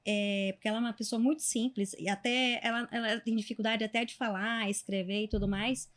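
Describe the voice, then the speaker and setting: Woman, fairly high voice, lawyer, measured and hesitant phrasing, conversational. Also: steady tone. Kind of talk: conversational storytelling.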